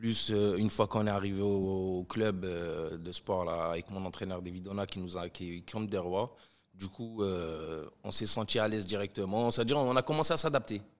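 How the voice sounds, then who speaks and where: A man at a moderate pace, a plain, everyday voice with ordinary pitch variation and big swings in loudness, on a very clean recording with a silent background. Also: fairly low pitch for a man. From Algeria, Algiers. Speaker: professional karate fighter. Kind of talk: casual interview. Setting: boxing gym.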